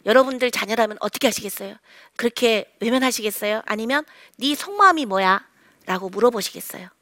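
A woman's voice: expressive, brisk, dry recording, clean studio sound. A middle-aged woman counselor giving a public talk, acting out quoted parents and teenagers with sudden shifts in tone. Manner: acts out quoted lines with sharp jumps in pitch. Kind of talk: public lecture to an audience.

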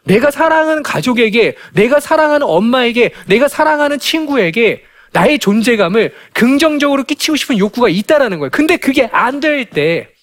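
A man giving a lecture to parents on raising children, animated and full of rhetorical questions. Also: extremely high pitch. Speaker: parenting educator.

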